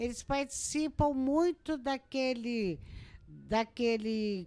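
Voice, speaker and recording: A woman is speaking. Her tone is animated. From Minas Gerais, Brazil. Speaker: radio host. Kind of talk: radio interview.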